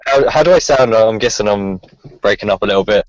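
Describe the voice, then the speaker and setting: A man's voice: on the low side, a little fast, no echo. Man, casual livestream co-host, clipping and distorted call mic, dull lo-fi sound, dry. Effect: clipping, peaking, breaking-up mic audio. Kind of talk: casual chat. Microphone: internet call mic.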